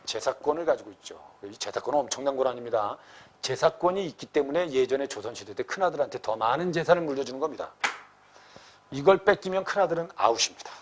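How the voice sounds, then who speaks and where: A man teaching a classical novel passage in an animated, blunt, slangy way, checking in with students often. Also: mid-range voice, slight background noise. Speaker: Korean literature tutor.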